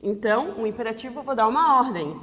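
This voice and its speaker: A woman's voice: on the high side, animated, fast talker, fairly bright tone, in a large hall. A woman teacher explaining grammar step by step, often checking in with her students. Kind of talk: online classroom lesson.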